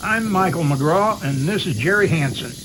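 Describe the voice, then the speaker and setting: A man's voice: fairly high pitch, animated, moderate pace, close to an everyday voice. A man playing a straight-faced, by-the-book helicopter pilot in an amateur audio drama, dryly unflappable and matter-of-fact. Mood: friendly. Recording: hissy, noisy radio-drama track with outdoor ambience.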